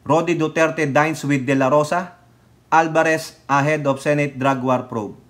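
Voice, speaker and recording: A man's voice: on the high side, fairly even intonation, measured pace. Emphatic Filipino man scolding on a vlog. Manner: emphatic, scolding, mixes Tagalog with English. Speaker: political vlogger. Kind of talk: political commentary vlog.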